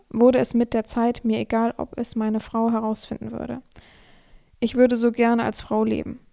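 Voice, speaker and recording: A hoarse woman hosting a podcast, talking frankly in a casual monologue and reading a listener's letter aloud. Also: a little high, mellow. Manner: frank, advising listeners directly. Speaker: podcast host.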